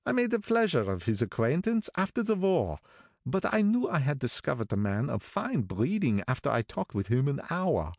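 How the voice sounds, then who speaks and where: High, strange-toned old gangster, slow and brooding, self-important, audiobook. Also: male voice, sing-song, no echo, clean studio sound. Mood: self-satisfied. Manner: slow, brooding, drawn-out delivery. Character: older male gangster, gloomy, sentimental, self-important.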